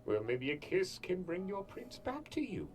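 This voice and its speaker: A woman's voice: lowish voice, very animated, moderate pace, a little mellow, slight background noise. A woman voicing a sly, teasing male trickster of chaos in a cartoon, sardonic and theatrical. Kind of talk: dramatized cartoon parody dialogue.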